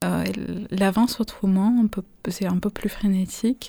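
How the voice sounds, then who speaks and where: A woman's somewhat breathy, medium-pitched voice, dark and mellow in tone, at a fairly slow pace. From Belarus. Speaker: novelist. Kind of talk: interview. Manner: halting.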